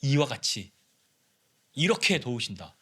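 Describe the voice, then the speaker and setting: A man's voice: mid-range voice, big pitch swings, measured pace, fairly bright tone, husky. A male pastor preaching a sermon in a conversational style, asking the congregation many rhetorical questions. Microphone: Zoom recording.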